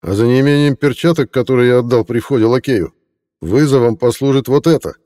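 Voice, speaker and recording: A man's voice: medium pitch, fairly quick, mellow, dry recording, clean studio sound, voice pushed up, close to an everyday voice. A man voicing a proud police inspector who speaks in a stern, formal way. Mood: cool, firm. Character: proud male police inspector, indignant gentleman.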